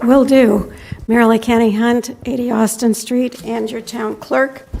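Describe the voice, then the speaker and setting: Over noticeable background noise, a woman speaks at a fairly high pitch. Her intonation is monotone and flat, and her pace fairly slow. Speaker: town clerk. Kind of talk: public comment at town council meeting.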